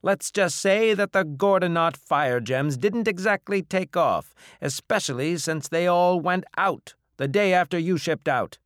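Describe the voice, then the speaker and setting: A man's voice: high-pitched, lively intonation, a little slow, hardly any pauses, no room sound, studio quality, pitched above the performer's own voice. A man voicing a roguish alien trader captain, cheeky and breezy, in an audiobook. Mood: cheerful, glib. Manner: glib, breezy.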